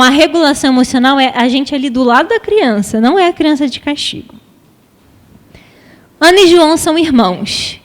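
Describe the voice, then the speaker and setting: A Brazilian woman giving a public talk on emotional education, speaking conversationally and putting questions to the audience. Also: sits high. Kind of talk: public lecture with anecdotes. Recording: long hall reverb.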